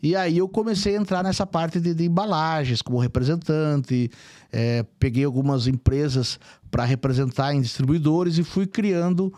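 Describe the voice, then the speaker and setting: A man's voice: fairly high pitch, normal speed, dark tone. A man in his forties from southern Brazil, with a faint gaúcho accent mixed with São Paulo traces, speaking as a guest in a casual interview with many restarts and tag questions. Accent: mixed Brazilian Portuguese, gaúcho with São Paulo traces. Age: 40s. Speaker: company CEO, podcast guest.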